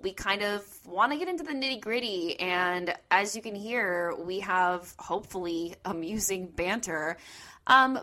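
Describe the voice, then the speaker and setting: A woman's voice: medium pitch, sharp tone. Playful woman podcaster with a mid-range voice. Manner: playful, self-mocking. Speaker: podcast co-host. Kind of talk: casual banter.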